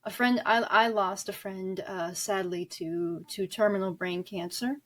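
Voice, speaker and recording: A woman in her twenties talking reflectively as an interview guest, often halting as she searches for words. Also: mid-range voice, steady tone, a bit bright. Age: 20s. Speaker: guest author and audio drama creator.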